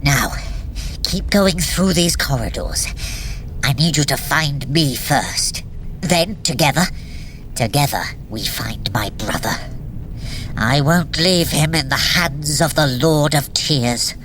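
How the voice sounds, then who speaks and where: A woman's voice: sits low, expressive, slow, a bit bright, a little hiss or hum, full character voice. A woman playing an imperious, sardonic trickster deity who guides a mortal, with dry theatrical delivery in a scripted audio adventure. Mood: commanding, guarded. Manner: haughty, sarcastic, dry, theatrical. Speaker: story guide in a running workout. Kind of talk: scripted audio adventure acting, addressing the listener.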